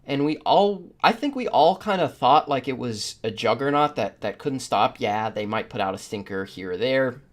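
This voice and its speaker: A man's voice: mid-range voice, animated, normal speed, few pauses. A man hosting a podcast in casual discussion, rambling through his opinions with the odd chuckle as he talks. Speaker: podcast host.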